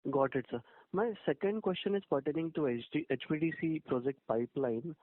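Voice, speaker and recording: A man's voice: a little high, animated, a little fast, no room sound. A man calling in over the phone to ask formal questions on a conference call, polite and hesitant with many fillers. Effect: heard over a phone line. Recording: tinny phone line, dry.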